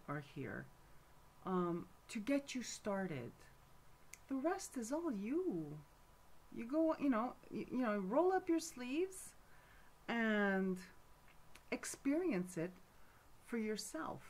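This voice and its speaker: A woman's voice: on the high side, sing-song, slow, long pauses, darkish tone. A middle-aged woman from Montreal giving a casual talk to camera as a folk magic teacher, rambling with many fillers and asides. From Montreal, Canada.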